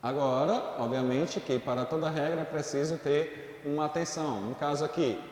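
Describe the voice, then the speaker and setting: A man's voice: a little high, normal speed, a little mellow, heavy reverb, big-room sound. A man teaching a school grammar lesson in Brazilian Portuguese, explaining rules step by step and often checking in with the class. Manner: explains step by step, checks in with "tudo bem, gente?".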